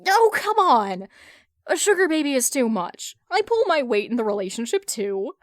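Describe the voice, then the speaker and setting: A woman's voice: sits high, very animated, moderate pace, no echo, studio quality, pitched above the performer's own voice. A woman voicing a defensive, flustered forty-year-old man who protests and stammers in an audio fan fiction reading. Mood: indignant.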